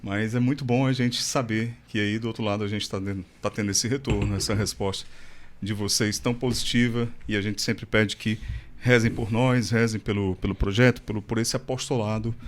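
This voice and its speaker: A man hosting a podcast, chatting warmly and joking lightly as he introduces his guest. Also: lowish voice, fairly even intonation, normal speed. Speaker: podcast host. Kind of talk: casual interview chat.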